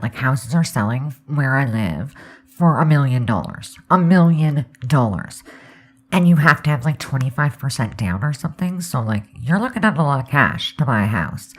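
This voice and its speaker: A young woman from Canada, chatting casually over a game build video, her voice scratchy and hoarse from a sore throat. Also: extremely low pitch. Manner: rambling, candid, lots of um and like. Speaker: Sims speed build creator.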